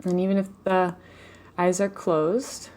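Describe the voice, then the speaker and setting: A woman leading a live guided meditation, speaking softly and slowly with long pauses and audible sighs. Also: fairly low pitch, little pitch movement. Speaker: meditation teacher. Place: home, live online session.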